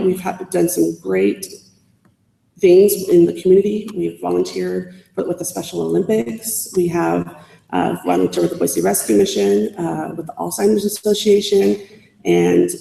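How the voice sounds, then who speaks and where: Woman student giving a speech, super gravelly voice, kinda halting and heartfelt, echoey big hall. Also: lowish voice, warm tone. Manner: heartfelt, halting with fillers and restarts. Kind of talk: public speech to college faculty. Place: large civic hall. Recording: echoey hall with long reverb.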